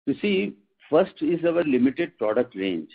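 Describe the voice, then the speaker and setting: A man with an Indian accent, a company executive answering questions on an earnings conference call in a measured, formal, explanatory way. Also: fairly high pitch, big pitch swings, vocal fry, husky. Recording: muffled tinny phone line.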